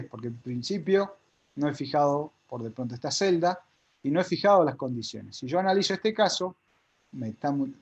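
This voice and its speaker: A man's voice: fairly high pitch, breathy edge, muffled recording. A man teaching a live spreadsheet class step by step, with an Argentine Spanish accent, often checking whether his students follow.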